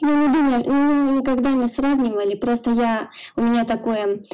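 A woman with a fairly high pitch and a dark, mellow tone talks at a moderate pace. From Moldova. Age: 20s. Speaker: caller seeking psychological advice. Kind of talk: therapy consultation. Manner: halting.

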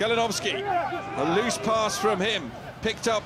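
The speaker has an animated tone. Noticeable background noise runs under the voice. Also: man. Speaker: rugby commentator. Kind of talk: rugby match commentary. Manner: animated, rising in pitch at tries and close calls.

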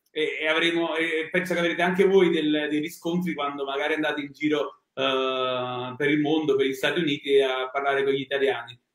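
A man with a fairly high voice talks at a fairly quick pace with fairly even intonation and hardly any pauses, and there is audible room echo. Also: quiet background. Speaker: guest, Italian-American community expert; guest. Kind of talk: interview. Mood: friendly, smiling. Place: home room. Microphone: video call.

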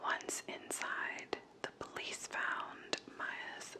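Whispering at a very slow pace, a woman speaks. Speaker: ASMR true crime content creator. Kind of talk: true crime ASMR narration, slow clicky whisper. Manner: whispered, slow, relaxing. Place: home room. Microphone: studio mic.

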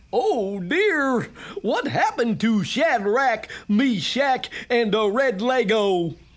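A cartoonish character voice with a fairly high pitch. It moves at a very slow pace. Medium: puppet. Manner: goofy, excitable.

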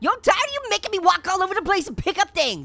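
A woman puts on a whiny character voice, pitched extremely high. She races along at a very fast pace with music in the background.

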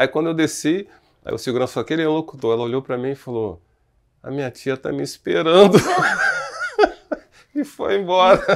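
A man speaks at a fairly quick pace with a fairly high pitch, lively intonation, and long, frequent pauses. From Minas Gerais, Brazil. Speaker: radio announcer. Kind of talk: interview.

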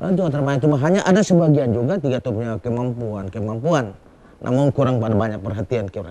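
A man with a medium pitch speaks at a very fast pace, his intonation lively. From North Maluku, Indonesia. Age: 70s. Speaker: sultanate dignitary; talk show guest. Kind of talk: interview. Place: studio.

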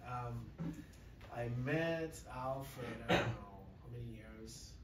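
A man talks with ordinary pitch variation while noticeable noise hums in the background. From Africa. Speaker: university lecturer. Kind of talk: speaker introduction. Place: hall.

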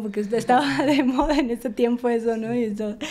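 A woman speaks at a fairly quick pace with a fairly high pitch. Her tone is dark and mellow, and her intonation is lively. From San Luis Potosí, Mexico. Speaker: singer and music producer; podcast guest. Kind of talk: casual interview. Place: studio. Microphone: studio mic.

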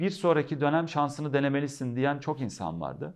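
A man speaks with a fairly high pitch. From Turkey, Çatalca (Istanbul). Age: 40s. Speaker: local politician. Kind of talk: interview. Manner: hesitant, many fillers.

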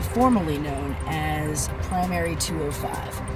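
A fairly slow pace over clear background music, in a dry sound with no echo. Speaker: radio host. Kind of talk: commentary. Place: car. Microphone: phone near.

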